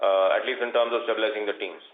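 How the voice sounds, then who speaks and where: A man with an Indian accent answering questions as a company executive on an earnings call, with halting phrasing. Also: fairly low pitch, fairly even intonation. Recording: roomy, muffled conference call line.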